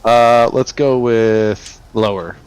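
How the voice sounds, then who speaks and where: A man chatting casually as a player in a tabletop game, blunt and quick to swear. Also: medium pitch, steady tone, darkish tone, a little hiss or hum.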